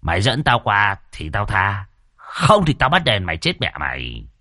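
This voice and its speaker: A man plays a coarse old driver from the north of Vietnam. The voice sits low and gravelly-rough, swinging widely as he bosses and swears. Recorded close and dry. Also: wildly swooping pitch, normal speed, sharp tone, no room sound, exaggerated voice. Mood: gruff bossy. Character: gruff old male driver, crude and boastful.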